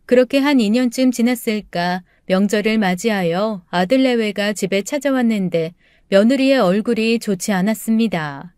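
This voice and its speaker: Smooth, clear woman reading a story. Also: mid-range voice, normal speed, hardly any pauses, dry recording, studio quality. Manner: calm, steady storytelling. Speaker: story narrator. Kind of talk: scripted first-person story reading.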